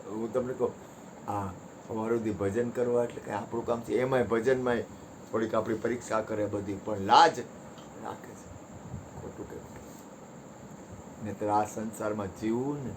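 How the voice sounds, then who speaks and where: A man's voice: mid-range voice, fairly even intonation, normal speed, pauses often, slight background noise. A man giving a devotional satsang talk in a folksy, conversational way, joking with his listeners. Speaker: satsang speaker.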